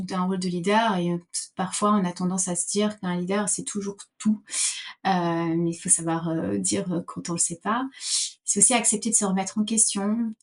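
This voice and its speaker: A woman's voice: mid-range voice, darkish tone. A middle-aged woman from Portugal answering interview questions thoughtfully, with many fillers and restarts. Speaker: podcast guest.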